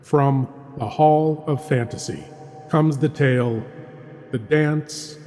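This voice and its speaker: A man announcing and narrating, dramatic, dropping to a hushed, dreadful tone. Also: mid-range voice, slow pace, in a large hall, faint music behind. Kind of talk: scripted promo and narration.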